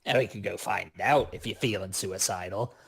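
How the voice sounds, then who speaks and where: Man putting on a husky, cheeky goblin adventurer. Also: on the low side, moderate pace, fairly bright tone, exaggerated voice. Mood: flippant. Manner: flippant, slangy, casual. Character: cheeky, wisecracking male goblin demolitionist adventurer.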